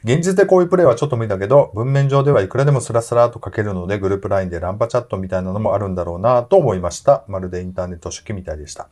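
A man's voice: on the low side, rapid-fire, few pauses. A man with a Kansai accent hosting a casual talk show, reading listener mail and teasing his co-hosts. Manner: animated, chatty, teasing. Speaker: podcast host.

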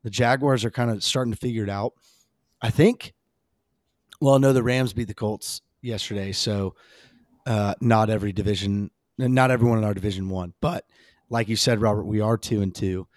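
A man with a slightly hoarse voice hosting a casual, rambling, emphatic fan talk on a sports podcast. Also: on the low side, fairly even intonation, moderate pace, a little mellow, no room sound, clean studio sound.

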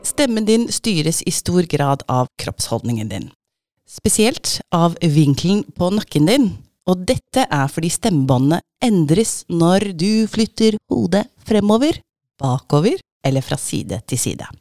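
A woman with a slightly low voice hosts a talk on using the voice and guides her guests through exercises. She explains patiently and laughs easily. The sound is close and dry, with no room around it. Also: big pitch swings, warm tone, dry recording. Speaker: host leading voice exercises. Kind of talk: instructive podcast conversation.

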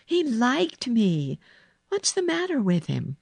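Storybook role: earnest ten-year-old girl, direct and eager, pitched up high, voiced by a woman. Animated delivery. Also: slow pace, creaky, no echo, full character voice. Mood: frank, bold. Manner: eager, direct, sometimes anxious.

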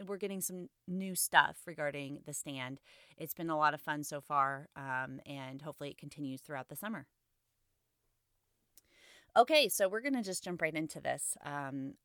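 A woman's voice: low voice, pushed and bright, no room sound, studio quality. A woman hosting a book-review podcast, chatting casually and thinking aloud, sounding sniffly from a summer cold. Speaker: podcast host.

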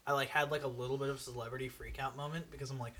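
A man in his twenties, a podcast guest, lively and joking in casual chat. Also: medium pitch, racing, a little hiss or hum. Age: 20s.

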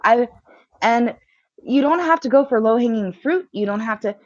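A woman's voice: fairly high pitch, animated, moderate pace, no room sound, lo-fi sound. A woman co-hosting a casual call-in show, blunt and scolding, swearing freely as she lectures a caller. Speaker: co-host. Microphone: earbuds in, remote mic.

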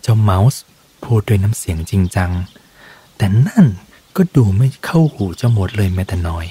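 A man narrating a bedtime story gently in a soft ASMR style. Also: on the low side, sing-song, moderate pace, breathy edge.

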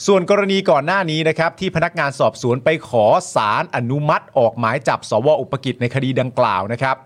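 A man's voice: mid-range voice, fairly quick. A man co-hosting a casual news talk show, commenting on the news with jokes and laughs. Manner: joking, excitable, bursts into laughter.

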